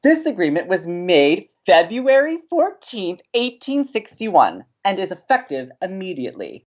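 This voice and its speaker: An earnest young male radio host at a college, played by a man in an audio drama. His delivery swings widely in pitch, wry and theatrical, on a slightly muffled recording. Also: wildly swooping pitch, measured pace, heavily acted. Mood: declamatory, determined.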